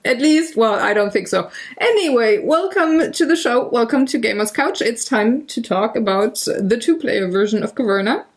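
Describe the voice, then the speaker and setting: A German-accented woman hosts a board game chat show with a fairly high voice. She talks casually and playfully, laughs easily and pokes fun at herself. She is fighting off a cough. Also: expressive, moderate pace, hardly any pauses. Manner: playful, laughs often, self-mocking. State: coughing, using cough drops. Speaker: podcast host.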